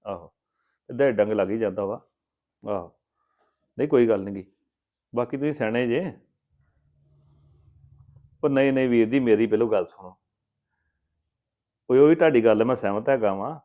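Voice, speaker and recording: A man's voice: medium pitch, moderate pace, pauses often, warm tone, dull audio, lightly acted. An actor playing a persuasive man who reassures a caller about a land deal in a family drama. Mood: persuading. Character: smooth-talking man arranging a land deal. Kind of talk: Punjabi family drama acting.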